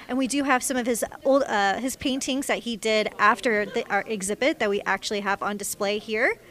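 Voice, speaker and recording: Female exhibit presenter, 30s, slightly high voice, unscripted with hesitant pauses. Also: bright, forceful tone. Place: large indoor exhibition room. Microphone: handheld microphone.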